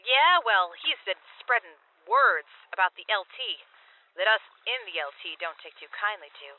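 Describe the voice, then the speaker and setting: A tough female militia officer, played by a woman in a radio drama. She talks in a brusque, folksy way with a medium-pitched, very lively delivery. The recording is dull and narrow. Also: moderate pace, close to an everyday voice. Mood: gruff, evasive. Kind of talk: full-cast audio drama acting.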